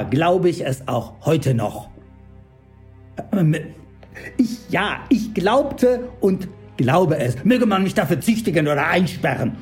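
A man's voice: a little high, a little mellow. A man playing a stubborn believer in a German audio drama, testifying intensely as he searches for words. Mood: defiant, devout. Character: stubbornly believing man, defiant witness recalling youth. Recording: music under the voice.

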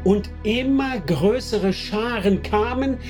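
An actor playing a young medieval eyewitness narrating gravely and deliberately in a radio play. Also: male voice, high voice. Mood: grave, brooding. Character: sixteen-year-old medieval eyewitness recounting a crusade, grave. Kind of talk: scripted first-person narration in a German radio play. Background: clearly audible music.

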